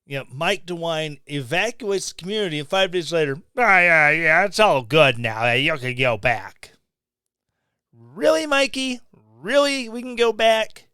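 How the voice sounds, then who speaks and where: Middle-aged guy ranting on his podcast, sarcastic, smooth voice, dry close mic at home. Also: a little high, big pitch swings, a little slow, sharp tone, no room sound. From Missouri, USA. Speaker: podcast host. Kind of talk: opinion commentary. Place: small home room. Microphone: studio mic on stand, close.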